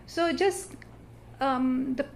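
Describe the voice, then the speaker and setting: A woman's voice: high voice, extremely slow, creaky, a little hiss or hum. A middle-aged woman from Pakistan, a native Urdu speaker with a Pakistani accent, speaking earnestly on a symposium panel with many fillers and restarts. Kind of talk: panel talk at an interfaith symposium. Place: church hall.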